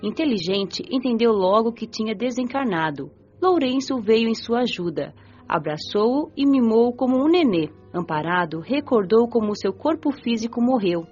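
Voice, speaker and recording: A Brazilian woman playing an earnest, compassionate young spirit who narrates her afterlife in a measured way for a radio novel. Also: a little high, expressive, a little mellow. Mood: earnest, reflective. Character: nineteen-year-old female spirit recalling her afterlife, earnest and compassionate. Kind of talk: scripted first-person audiobook narration, radio novel. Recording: dull lo-fi audio with music. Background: music.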